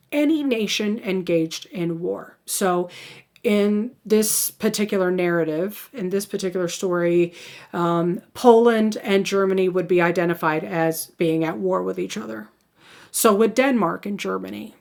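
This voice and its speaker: A woman giving a recorded history lecture in a loose, chatty manner. She trips over her words, fills gaps with ums, and repeats key points so students can follow. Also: medium pitch. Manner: conversational, many fillers and restarts, repeats key points; plays out the isolationist view in first person. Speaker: history teacher.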